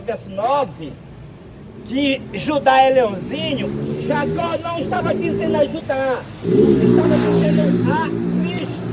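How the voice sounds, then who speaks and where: A Brazilian man preaching a sermon outdoors, speaking in slow, deliberate, drawn-out phrases. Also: very high-pitched. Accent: Brazilian Portuguese. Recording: outdoor street noise with traffic.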